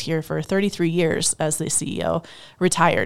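This woman has an unremarkable speaking voice with an American accent, fairly low in pitch and at a moderate pace. Her intonation is fairly even, and the recording is very clean with a silent background. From Texas. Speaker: nonprofit executive. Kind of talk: interview. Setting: in person at her organization's building.

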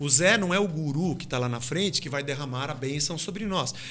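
Audible room echo surrounds a man speaking at a fairly quick pace with a fairly high pitch. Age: 50s. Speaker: pastor and rock musician. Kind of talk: casual chat.

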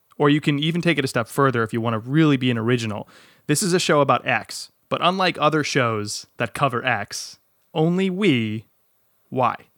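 In a very clean recording with a silent background, a man talks at a fairly quick pace. His medium-pitched voice has lively intonation and a dry, close sound with no echo. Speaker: podcast host. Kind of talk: casual chat. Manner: fast; speaks in bursts with beats.

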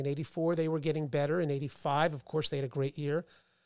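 A man speaks with an American accent at a fairly high pitch. His intonation stays fairly even in an ordinary speaking voice. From New York, Westchester. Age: 50s. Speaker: mental health organization staff member. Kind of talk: casual chat. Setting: studio, in person.

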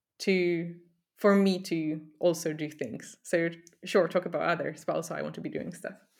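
A woman with a Polish accent and a fairly low pitch speaks at a moderate pace with fairly even intonation and vocal fry. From Poland. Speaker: illustrator and podcaster. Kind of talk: interview.

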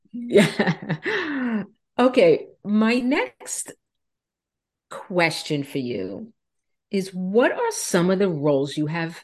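Her medium-pitched voice has vocal fry, and this woman's pitch swings very widely. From New York. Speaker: life and wellness coach, podcast host. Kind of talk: interview conversation.

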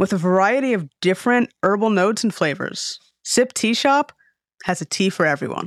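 A woman talks at a moderate pace with ordinary pitch variation in a normal speaking voice. The sound is dry and close, with no echo. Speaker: podcast host. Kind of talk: casual interview.

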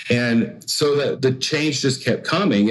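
A man is speaking. His pitch sits at a medium level. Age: 40s. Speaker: worship pastor and musician. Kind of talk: interview testimony.

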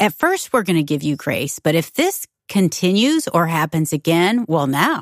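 A woman talks with an unremarkable speaking voice and lively intonation. The pace is moderate, and the sound is dry and close with no echo. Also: fairly low pitch for a woman, very even loudness. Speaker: radio host. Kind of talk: casual chat. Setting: studio.

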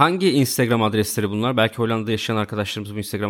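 The man talks at a very fast pace. His pitch is fairly low and his intonation fairly even. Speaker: podcast host. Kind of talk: casual interview.

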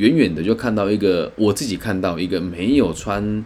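Speaking fairly slowly, a man keeps his pitch variation ordinary. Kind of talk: book reading and commentary.

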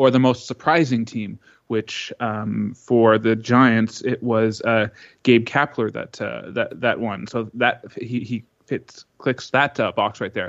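A man at a medium pitch, speaking at a very slow pace. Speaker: podcast host. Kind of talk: casual chat. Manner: rambling, stumbling over words.

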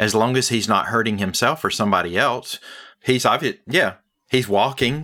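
A man's fairly low voice with a Southern US accent, bright and sharp in tone, with ordinary pitch variation, a moderate pace and a very clean recording against a silent background. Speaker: healthcare professional. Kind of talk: casual chat.

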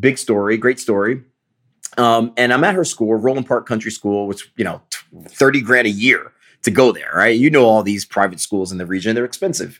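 An unremarkable speaking voice with an American accent moves at a fairly quick pace with ordinary pitch variation, in a very clean recording with a silent background. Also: man, medium pitch for a man. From US Northeast, Bridgeport, Connecticut. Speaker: venture capitalist and entrepreneur. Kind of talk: interview conversation. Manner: frequent fillers and repetitions.

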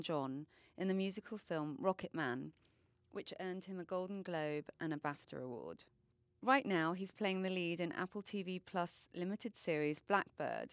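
Speaking at a moderate pace, a woman has an unremarkable speaking voice, fairly low in pitch, with lively intonation. The sound is dry and close, with no echo. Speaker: awards editor interviewer. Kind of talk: casual interview.

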